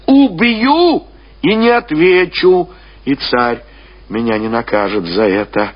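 A man's voice: a little high, slow pace, highs cut off. A man voicing a harsh, domineering mother who scolds and threatens in a radio reading of a novel. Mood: angry, threatening.

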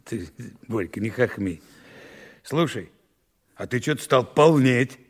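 A man playing a brisk prison deputy chief with a gravelly voice in an audio drama, jovial but stern with inmates. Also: medium pitch, expressive. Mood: jovial teasing. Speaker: actor in an audio play. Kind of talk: lively audio drama dialogue. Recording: reverberant hall with faint noise.

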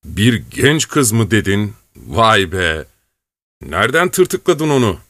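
A man voicing a boisterous, hard-drinking army major who talks loudly and teases in a jovial way. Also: on the low side, very animated, takes it slowly, no echo, heavily acted. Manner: loud, jovial, teasing.

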